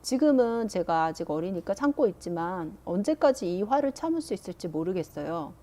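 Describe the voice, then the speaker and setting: A woman voicing a resentful teenage girl who is annoyed at being scolded alongside her sister, speaking in a slow, aggrieved complaining way. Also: medium pitch, very animated, mellow, lightly acted.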